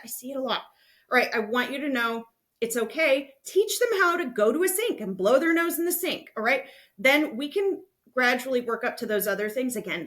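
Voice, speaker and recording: Female podcast host, higher-pitched voice; informal, instructive, reassuring delivery aimed at parents. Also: fairly bright tone. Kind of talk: explanatory podcast talk addressed to parents.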